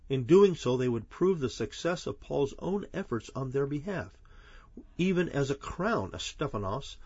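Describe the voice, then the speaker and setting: A man giving a measured Bible teaching, asking questions and then answering them himself. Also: medium pitch, darkish tone, husky, dry recording, highs cut off. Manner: measured, explanatory, poses and answers his own questions.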